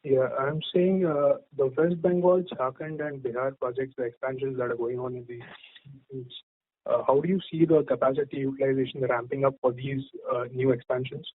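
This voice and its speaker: A man's voice: mid-range voice, fairly even intonation, moderate pace. A man asking questions as an investor on an earnings call, speaking over the telephone. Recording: thin phone line.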